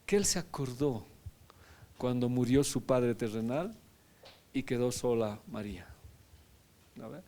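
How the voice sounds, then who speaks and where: A man's voice: medium pitch, unhurried, pauses often, mellow. A man, a pastor, teaching a Bible lesson in a conversational sermon, often asking his listeners questions and adding tag questions.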